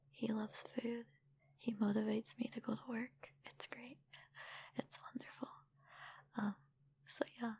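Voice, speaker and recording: A woman chatting casually in a soft, breathy ASMR whisper, informal and rambling, close to the microphone. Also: on the high side. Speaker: ASMR creator and streamer answering viewer comments.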